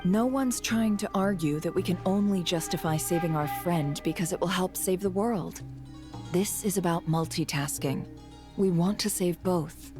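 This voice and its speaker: A low, composed game sage, acted by a woman, wise and philosophical. She measures out each phrase calmly, as if seeing things on a grand scale. Music is clearly heard behind her. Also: normal speed, close to an everyday voice. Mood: reassuring. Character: calm, wise, philosophical adult female game character. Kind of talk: video game character acting.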